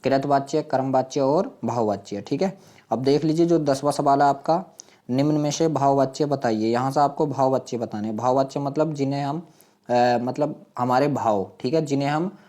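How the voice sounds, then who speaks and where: A man with a dark, relaxed voice at an average pitch teaches a quiz-style exam lesson. He puts questions to his listeners, then explains the answers, repeating key points as he goes. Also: normal speed.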